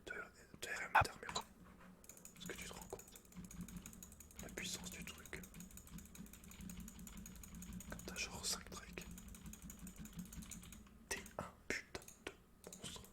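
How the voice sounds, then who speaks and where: A man whispering casual, slangy, sweary ASMR commentary while he plays a video game, in a breathy unvoiced whisper. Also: slow, long pauses, bright, forceful tone. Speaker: host of an ASMR gaming channel. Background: computer keyboard clicks and typing.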